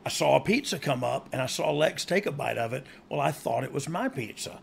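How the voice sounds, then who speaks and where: A man's voice: mid-range voice, animated, a little fast, gravelly, a little hiss or hum. A middle-aged man, a podcast guest, casually telling stories and laughing through them. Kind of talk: casual storytelling.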